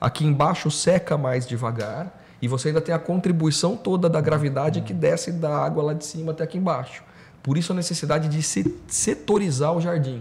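With vocal fry and fairly high pitch, a man speaks at a fairly quick pace with hardly any pauses and ordinary pitch variation. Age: 40s. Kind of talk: interview conversation.

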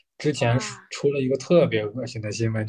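A man at a medium pitch speaks with fairly even intonation and a somewhat breathy sound. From Northeast China (Liaoning). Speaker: programmer. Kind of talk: casual chat. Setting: podcast studio. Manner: halting, many fillers.

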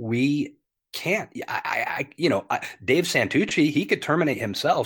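Over a silent background on a very clean recording, a man with an American accent speaks at a moderate pace, using vocal fry and very wide pitch swings. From US West Coast (Long Beach, California). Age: 50s. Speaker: YouTube whistler. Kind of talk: casual chat.

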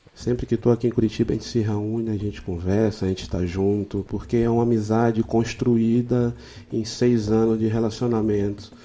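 The man's tone is dark and mellow. He talks fairly quickly in a monotone, flat intonation. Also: medium pitch for a man. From Bahia, Brazil. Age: 40s. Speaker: goalkeeper coach. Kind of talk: casual interview. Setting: studio.

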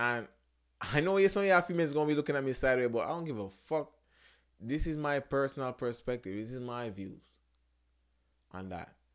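A man's fairly high, animated voice at a very fast pace, lively intonation, long, frequent pauses, very clean recording with a silent background. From Jamaica. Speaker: podcast host. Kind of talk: solo monologue podcast.

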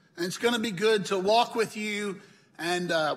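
A man speaks loudly at a fairly slow pace, with a high pitch and fairly even intonation. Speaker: senior pastor. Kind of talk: sermon. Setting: church.

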